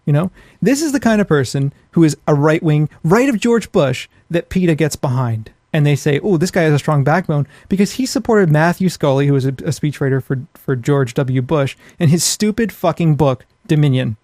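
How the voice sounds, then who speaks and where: A man's voice: on the high side, lively intonation, normal speed, few pauses, darkish tone, no echo, studio quality. A man co-hosting a casual podcast in a blunt, opinionated, ranting way, swearing freely. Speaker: podcast co-host. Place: small home office.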